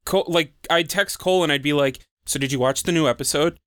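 Casting: young male podcast co-host, relaxed and rambling with lots of fillers, slightly high voice, dry close mic. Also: fast talker, clean tone, no echo. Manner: laid-back, filler-heavy. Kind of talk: casual podcast chat.

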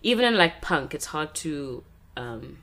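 A woman co-hosting a casual music chat, expressive and quick to chime in. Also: sits low.

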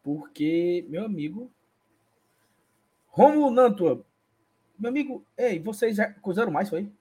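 A man's voice: high voice, animated, unhurried, mellow, husky. A man, co-hosting a casual fan show and playfully reading viewer comments aloud. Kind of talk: casual live-stream chat.

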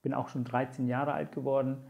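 A gravelly-voiced man in his forties whose first language is Tamil, speaking as a podcast guest. His pitch sits in the middle, and he recounts events earnestly, pausing often on "äh" and "ähm" as he searches for words. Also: little pitch movement, dull audio. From Sri Lanka. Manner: many hesitation fillers, earnest and reflective. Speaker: interview guest. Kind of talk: conversational storytelling.

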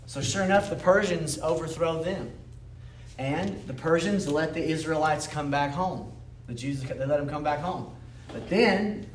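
A man with a fairly high voice leads a Bible history lesson, talking it through casually and stopping to ask "okay?" along the way. He sounds like he is in an echoey church room, with faint noise in the background. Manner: conversational, explanatory, often checks in with "okay?". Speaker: Bible class teacher.

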